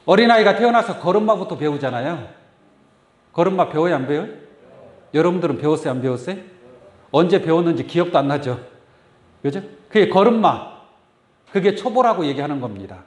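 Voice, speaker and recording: A man's voice: a little high, lively intonation, a little fast, pauses often. A man preaching a sermon as pastor, often asking the congregation questions. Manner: asks the congregation many questions. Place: church sanctuary. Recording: echoey church room. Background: congregation saying amen.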